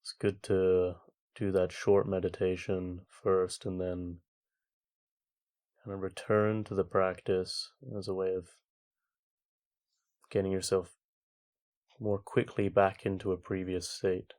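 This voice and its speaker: Slow, even-toned man guiding meditation. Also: sits low. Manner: calm, gentle, unhurried with long pauses. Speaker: meditation teacher. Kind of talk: guided meditation instruction.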